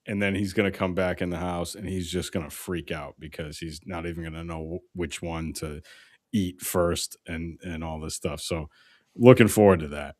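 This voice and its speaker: A man's voice: sits low, steady tone, normal speed, darkish tone, no room sound, clean studio sound. A man chatting casually as a podcast co-host, telling rambling, profane stories full of fillers and restarts. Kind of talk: casual chat.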